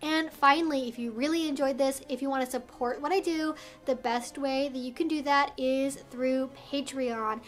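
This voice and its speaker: A woman's voice: sits high, fairly even intonation, moderate pace, hardly any pauses. A woman hosting an explainer vlog, speaking straight to viewers with careful, emphatic phrasing. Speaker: video host and educator.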